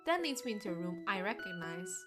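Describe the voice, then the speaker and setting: A woman game streamer reading visual novel narration aloud in an expressive storytelling manner. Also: mid-range voice, fast. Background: game music.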